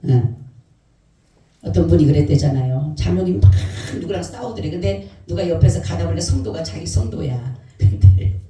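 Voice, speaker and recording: Pastor, Easter sermon, very mellow tone, distant echoey hall. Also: mid-range voice, moderate pace. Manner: animated, asks the congregation questions. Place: church sanctuary. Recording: very echoey church hall, mic far off.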